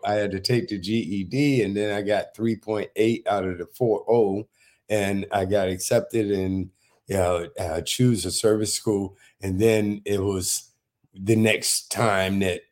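A man's voice: on the low side, steady tone, a little slow, a little mellow. An older man, a military veteran, telling stories as a podcast guest in a rambling way, full of fillers. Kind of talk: casual podcast interview.

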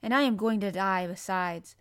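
A woman's voice: medium pitch, moderate pace, a bit bright, natural voice. A woman voicing a sickly young boy who is sulky, self-pitying and imperious, in a storybook reading. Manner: petulant, indignant, commanding.

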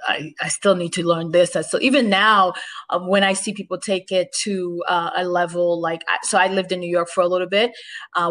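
A woman's voice: fairly low pitch, a bit bright. A woman from Haiti who grew up in Boston, a former broadcaster, speaking reflectively in an interview with many restarts. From Haiti, raised in Boston. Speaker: interview guest, former broadcaster and makeup artist. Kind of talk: conversational interview.

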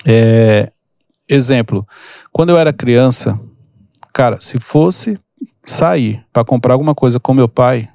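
A man's voice: mid-range voice, slow pace, creaky, pauses often, a little mellow, no room sound, studio quality. A man hosting a podcast, explaining emotional triggers through casual stories and acting out the people in them. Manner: storytelling, acts out quoted people. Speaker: podcast host and mentor. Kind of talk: casual teaching chat.

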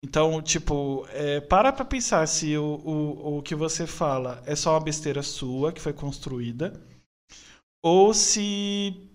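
Earnest young São man, slightly high. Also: lively intonation, unhurried. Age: 20s. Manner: earnest, opinionated, rambling with restarts. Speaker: podcast guest. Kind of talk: casual podcast conversation.

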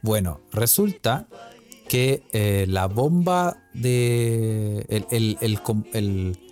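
A man's voice: fairly low pitch, very slow, a little mellow, soft background music. A man with a Chilean Spanish accent co-hosting a casual chat, joking, laughing often and using a lot of slang. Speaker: podcast co-host.

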